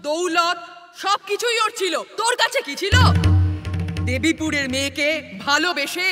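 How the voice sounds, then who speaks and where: A woman's voice: extremely high pitch, lively intonation, normal speed. An actress dubbing a fierce, defiant old grandmother in a film, scolding and mocking her son and grandson. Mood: accusing. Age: older. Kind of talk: dubbed film dialogue. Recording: film soundtrack with loud music.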